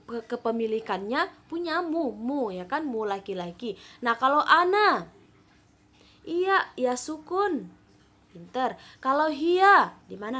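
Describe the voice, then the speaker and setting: A woman's voice: on the high side, fairly bright tone. A woman teaching Arabic to young pupils in a recorded lesson, patient and coaxing, often turning to address the children. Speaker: primary school Arabic teacher.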